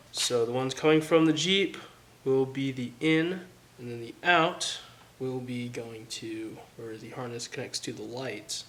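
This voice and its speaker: A man's voice: medium pitch, noisy background. A man hosting a casual how-to vlog, explaining things in an informal, plain-spoken way. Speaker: host of a car DIY channel.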